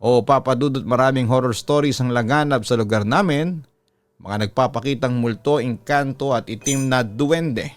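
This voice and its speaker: A man's voice: mid-range voice, no echo. A man with a Filipino accent narrating a scripted first-person horror story, reading out a letter as the storytelling host. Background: background music.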